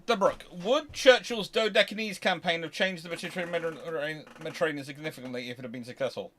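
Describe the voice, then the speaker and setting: A British man hosting a casual question-and-answer chat, talking in a rambling, halting way and often interrupting himself. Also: on the high side, slight background noise. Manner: rambling, halting, animated anecdotes with self-interruptions. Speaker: host answering viewer questions.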